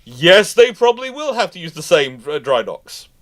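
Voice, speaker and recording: A man's voice: sits high, very animated, moderate pace, a bit bright. British man fielding questions on a livestream. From United Kingdom. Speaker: host of a live naval history question-and-answer stream. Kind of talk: informal expert commentary answering viewer questions.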